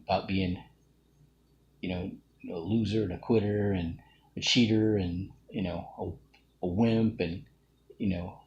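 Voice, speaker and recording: A middle-aged man from Alabama, talking through a casual, rambling self-reflective monologue full of fillers and restarts. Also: low-pitched. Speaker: vlogger.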